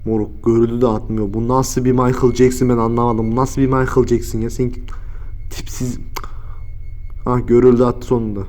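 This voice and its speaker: A man's voice: mid-range voice, little pitch movement, normal speed. A young man filming a scare prank vlog, talking in slang and swinging from mutters to frightened yelps. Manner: slangy, exclaiming, swings between mumbling and yelling. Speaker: YouTuber.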